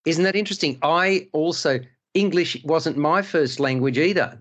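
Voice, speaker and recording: A middle-aged man whose first language is Hungarian hosts a casual film-review panel as a podcast host, rambling through restarts and digressions. His voice is fairly high and a bit bright, at normal speed.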